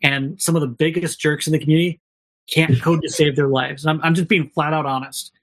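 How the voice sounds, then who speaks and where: A man's voice: on the high side, little pitch movement, brisk, fairly bright tone. A man talking as a podcast guest, telling candid stories with lots of restarts and quoted dialogue. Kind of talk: casual storytelling.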